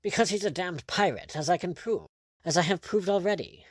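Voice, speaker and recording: A man voicing a haughty, excitable, indignant lord with a pompous, exclamatory way of talking, in an audiobook adventure tale. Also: medium pitch, moderate pace, no echo, pitched above the performer's own voice, lightly acted. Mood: outraged, excited.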